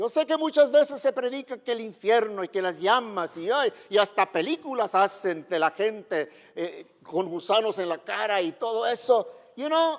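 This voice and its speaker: Though his pace is fairly slow, a man with a high pitch sounds animated, with lively intonation. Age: 70s. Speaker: pastor. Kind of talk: sermon.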